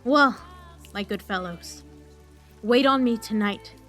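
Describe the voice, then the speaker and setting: A woman's voice: medium pitch, slow pace, fairly bright tone, faint music behind. A woman acting a weary, honour-bound military leader in a Shakespearean audio drama, with stately, declamatory delivery. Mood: solemn, wistful.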